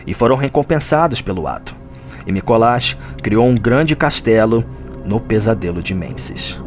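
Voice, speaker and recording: A man with a Brazilian accent voicing a lore scholar who narrates a dark gothic nightmare in a grave, theatrical audio drama style. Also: fairly low pitch, expressive, moderate pace, close to an everyday voice. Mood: solemn, explanatory. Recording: music under the voice. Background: music.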